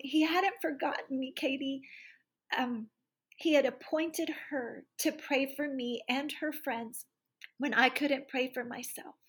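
A middle-aged woman sharing a personal testimony as a guest, earnest and soft-spoken, reading a prayer aloud slowly. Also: high-pitched. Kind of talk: personal testimony in a podcast interview.

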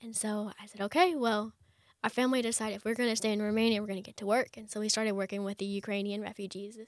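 A young woman, a chatty interview guest who talks fast with lots of fillers. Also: mid-range voice, little pitch movement, no echo, clean studio sound. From United States. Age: young adult. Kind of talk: conversational interview.

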